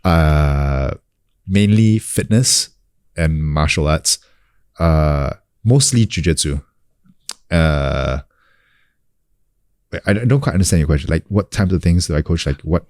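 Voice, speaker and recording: Deep-voiced man from New Zealand, casual. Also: slow pace, pauses often, no echo, clean studio sound. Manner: relaxed, many fillers and restarts. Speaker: guest, actor and coach. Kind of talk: casual sit-down interview.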